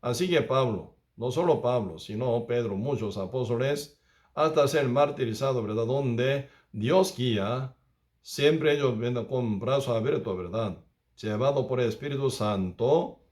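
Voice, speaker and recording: A man preaching a Bible study as a pastor, speaking with halting phrasing, repeating himself and often adding tag questions. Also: mid-range voice, darkish tone. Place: church.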